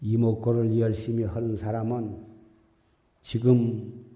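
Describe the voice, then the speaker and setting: A man's voice: fairly low pitch, flat delivery, a little slow, lo-fi sound. A man giving an exhorting Buddhist sermon as dharma teacher, recorded in a temple hall. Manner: exhorting, repetitive, admonishing. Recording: echoey hall with long reverb.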